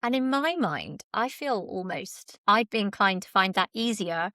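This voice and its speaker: A woman's voice: mid-range voice, lively intonation, normal speed, bright, forceful tone, no echo. Woman podcast host, dry close sound. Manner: affirming, reflective, relates advice to herself. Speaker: podcast host, drama coach. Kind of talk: conversational interviewing.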